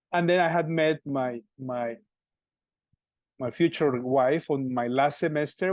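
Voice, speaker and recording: Fairly even intonation with a Colombian accent. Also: man. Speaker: musician and music educator. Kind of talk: interview. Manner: halting, many repetitions.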